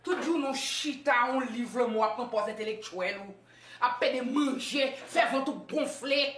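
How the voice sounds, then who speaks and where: A woman's voice: high-pitched, moderate pace, slight background noise. An actress playing an upset, emphatic middle-aged mother in a film. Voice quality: emphatic, voice rising to shouts. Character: agitated middle-aged mother, loud and fretful. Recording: echoey room.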